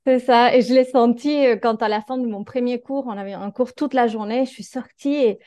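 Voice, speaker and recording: Reflective Argentine-born woman, mellow voice. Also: on the high side, fairly quick, no room sound. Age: 30s. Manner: reflective, hesitant with many fillers. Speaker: podcast guest, astrologer. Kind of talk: casual interview chat.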